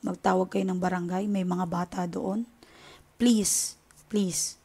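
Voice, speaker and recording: A woman's voice: on the low side, little pitch movement, normal speed, dark tone, breathy edge. A woman with a Filipino accent, hosting a tarot channel and talking to her viewers in an impassioned, indignant way, mixing in English phrases. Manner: impassioned, indignant, switching between Tagalog and English. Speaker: tarot reader and channel host. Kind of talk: casual chat to viewers.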